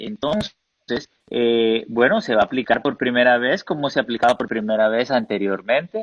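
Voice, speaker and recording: A medium-pitched male voice at a moderate pace with hardly any pauses and ordinary pitch variation, dry and close with no echo. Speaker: immigration lawyer. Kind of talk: interview.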